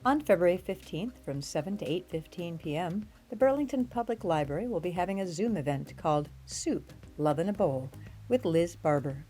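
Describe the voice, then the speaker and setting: A woman presenting a community events calendar in a friendly, clear way. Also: lowish voice, expressive, moderate pace, warm tone, faint music behind. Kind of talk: scripted announcements.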